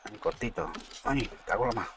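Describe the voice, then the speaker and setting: A man with a Spain Spanish accent talks through his football match as he plays, his pitch leaping up and down with every chance. He mutters to himself, curses the bad luck and shouts at his players, a lively gaming streamer in full flow. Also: a little fast, a little hiss or hum. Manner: excitable, muttering and cursing at the game. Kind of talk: live gameplay commentary.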